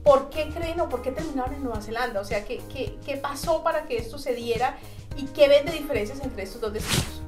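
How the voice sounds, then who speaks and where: A high, bright woman's voice leads the chat with lively emphasis. She sounds like an immigration agent in her thirties, speaking in a small, roomy office with music playing behind her. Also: brisk. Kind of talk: friendly interview. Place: small office in front of posters.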